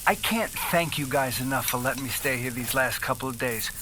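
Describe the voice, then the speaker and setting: A man's voice: mid-range voice, brisk, background noise, lightly acted. An actor playing a street-wise, guarded hacker in his thirties, fresh out of prison, in an audio drama with a wry delivery. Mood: cautious. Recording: music behind the voice.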